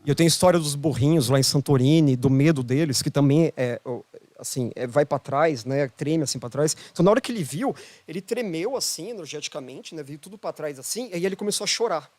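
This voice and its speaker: A man's voice: on the high side, animated, fairly quick, darkish tone, dry recording. A man with a Brazilian Portuguese accent, a podcast guest telling a story in casual chat, emphatic and repeating phrases for emphasis. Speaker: podcast guest, holistic therapist.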